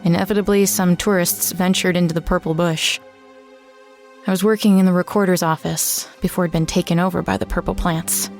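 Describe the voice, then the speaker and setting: A low-pitched, weary small-town reporter woman, recounts eerie events. It is first-person audio drama narration, laid over a clear bed of music. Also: fairly even intonation, a little fast, darkish tone. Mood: somber, wry. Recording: prominent music bed under the voice.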